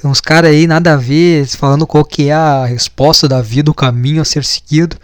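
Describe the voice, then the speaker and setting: A man's voice: a little high, fairly even intonation, a little fast, dry recording. A man giving casual reaction commentary, mocking and exasperated, swearing often. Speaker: video commentator.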